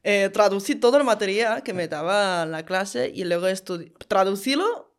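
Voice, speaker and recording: A woman from China with a Chinese accent in Spanish, a second language for her, talking as a podcast guest in a halting way with frequent restarts. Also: medium pitch, expressive. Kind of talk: casual interview chat.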